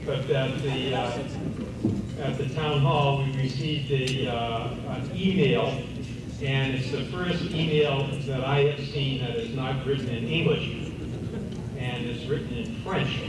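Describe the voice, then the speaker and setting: A man speaking haltingly and with wry humor as master of ceremonies, introducing speakers at a ceremony. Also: medium pitch, steady tone. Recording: echoey hall from far off, noisy, audience.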